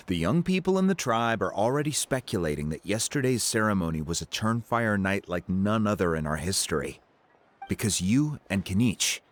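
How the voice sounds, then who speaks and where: A man voicing a calm, thoughtful tribal chief who explains events in a game cutscene. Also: sits low. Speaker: tribe chief.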